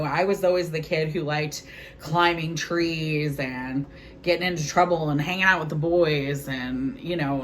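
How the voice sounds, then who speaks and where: A woman in her forties with a distinctly low voice talks casually to camera as a vlog host. She is candid and conversational, as in an informal chat. There is faint noise behind her. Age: 40s.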